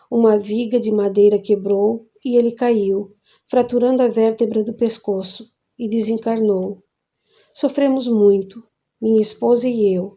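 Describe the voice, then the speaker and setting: A woman reads an audiobook novel in a calm, measured way. Her voice sits a little high and has a mellow, warm color. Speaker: audiobook narrator. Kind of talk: audiobook narration of a spiritist novel.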